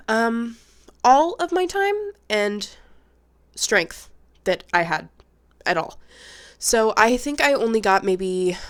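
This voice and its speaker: A woman's voice: lowish voice, fairly bright tone, clean tone. A young woman vlogging about her art in a casual, chatty, self-deprecating way, her voice congested and sniffly from a cold. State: stuffed-up nose from a cold. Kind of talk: casual chat.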